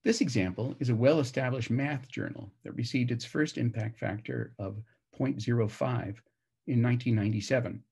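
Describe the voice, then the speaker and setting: Gravelly, husky man presenting slides. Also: medium pitch, moderate pace, darkish tone. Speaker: conference session presenter.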